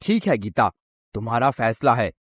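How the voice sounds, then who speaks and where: A man's voice: mid-range voice, big pitch swings, moderate pace, husky, no echo, studio quality. A man voicing a sensible farmer husband in a cartoon story who warns and lectures his wife. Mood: warning. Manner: lecturing, cautioning.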